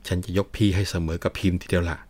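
A man's voice: racing, darkish tone, lightly acted. A man voicing a young male novice monk who earnestly begs for help in love. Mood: pleading. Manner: earnest, imploring.

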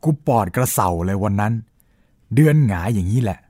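A man voicing a rough-talking village man who tells of a ghostly encounter with blunt, coarse speech. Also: fairly low pitch, brisk, no room sound. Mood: uneasy recounting. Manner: lively storytelling, rising and falling. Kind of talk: Thai audio-drama storytelling.

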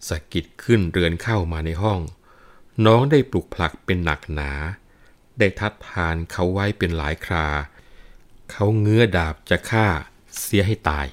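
A man with a low voice chants old narrative poetry at an unhurried, stretched-out pace. He lifts his voice into a ringing, melodic line for the verses and drops back to quiet plain speech to explain them. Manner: melodic drawn-out chanting, raised and ringing when reciting. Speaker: reciter and teacher of classical poetry.

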